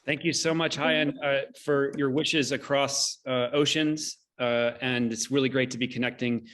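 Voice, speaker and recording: A man's voice: mid-range voice, steady tone, a bit bright. Man moderating a live online discussion. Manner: appreciative, halting and reflective. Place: online video call.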